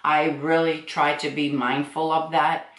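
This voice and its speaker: A woman in her sixties chats frankly on her beauty vlog, answering viewer comments and laughing often. Her low voice moves little in pitch and is unhurried, recorded in an echoey room.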